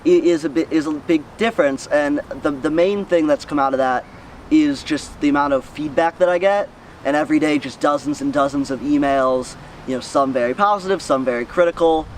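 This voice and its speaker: A man's voice: on the high side, brisk, distant mic, slight background noise. A teenage young man with an American accent answers interview questions casually and earnestly, thinking aloud and repeating words as he goes. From United States, Missouri. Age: teenager, high school student. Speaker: student newsletter writer, interviewee.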